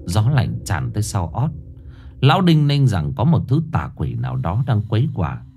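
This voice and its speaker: Male ghost-story narrator, highly expressive pitch, faint background hiss. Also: normal speed. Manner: dramatic, suspenseful reading.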